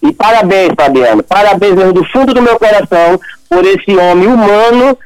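A man's voice: high-pitched, lively intonation, normal speed, clear, resonant tone, no echo, rough recording. A man with a Northeastern Brazilian accent talking informally on the radio as a guest, effusive and folksy. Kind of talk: informal heartfelt radio talk. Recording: music behind the voice.

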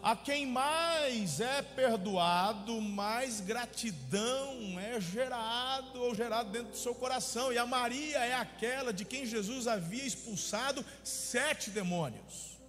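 A man's voice: extremely high pitch, takes it slowly, few pauses, a bit bright, long reverb tail, soft background music. A man preaching a sermon as a pastor, impassioned and acting out the people in his story.

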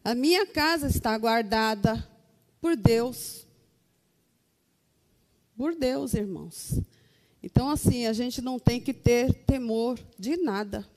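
A woman's voice: a little high, a little slow, a little mellow, long reverb tail. A Brazilian woman giving an earnest testimony to a congregation, calling her listeners brothers. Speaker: church member giving testimony.

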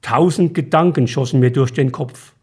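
A man reading his own short story aloud in a calm, measured storytelling manner. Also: mid-range voice, slightly rough. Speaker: author and reader.

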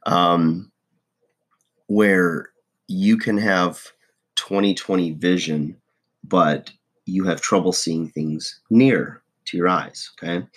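A hoarse, husky man in his forties giving a casual, folksy motivational monologue as a host. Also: deep voice, takes it slowly, a bit bright. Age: 40s. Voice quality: husky, rough. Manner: folksy, self-deprecating, checks in with "okay?" and "right?". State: hoarse voice, throat-clearing. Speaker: host of a motivational video podcast.

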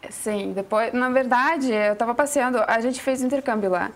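A woman with a Russian accent chats as a guest on a TV talk show. Her voice sits a little high. She keeps her phrasing simple and searches for words in a language that is not her first. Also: normal speed. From Russia, Ural Mountains. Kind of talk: casual interview answers. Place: TV studio.

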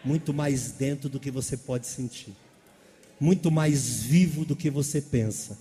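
A man's voice: medium pitch, unhurried, mellow, in a large hall, soft background music. A man preaching a sermon, calling out questions to the congregation. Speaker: pastor.

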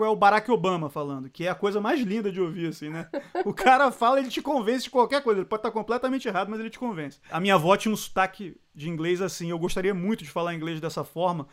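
Man, high voice, lively, laughs a lot, interview guest. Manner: animated, laughs often, switches into other languages. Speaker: guest, sports journalist. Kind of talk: casual interview chat.

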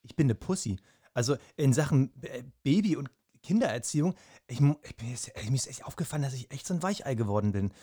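A man's voice: medium pitch, lively intonation, fast, warm tone. A young man, a new father, chatting casually and rambling in a self-mocking, hesitant way. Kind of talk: casual chat. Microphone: headphones on, studio-style mic.

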